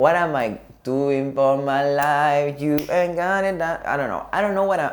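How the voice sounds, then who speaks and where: A man with a Spanish-speaking accent, a fairly high pitch and a moderate pace. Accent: Spanish-speaker's accent in English. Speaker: youtuber. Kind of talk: casual vlog talk. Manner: halting, repeating words.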